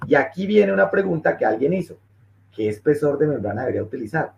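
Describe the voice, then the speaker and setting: A man's voice: fairly high pitch, very animated, quick pace, vocal fry, a little mellow. A male engineering instructor giving a technical webinar lecture, explaining step by step and checking in often with his listeners. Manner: explanatory, checks in with frequent "¿listo?". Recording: muffled lo-fi webinar audio.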